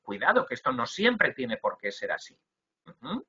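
A man's voice: mid-range voice, wildly swooping pitch, normal speed, bright, forceful tone, breathy edge. A young man teaching other teachers in a webinar, explaining slide by slide and dotting his talk with "ujú" and "eh". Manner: explanatory, with frequent "ujú" and "eh" fillers. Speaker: Spanish language teacher trainer. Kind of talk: webinar lecture. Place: indoor room. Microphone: video call webcam. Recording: dull lo-fi video call audio.

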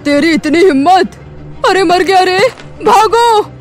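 A man voicing excitable, bickering villagers in a horror cartoon, with dramatic, emphatic delivery. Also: very high voice, slow. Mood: panicked.

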